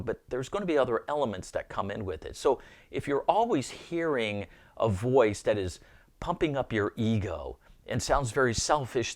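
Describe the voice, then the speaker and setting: A man giving an earnest, informal Christian teaching, often repeating words as he thinks aloud. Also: medium pitch.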